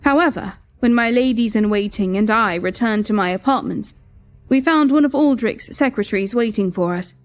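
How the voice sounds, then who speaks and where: A young woman narrating in first person as a queen, measured and reflective. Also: a little high. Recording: music bed behind.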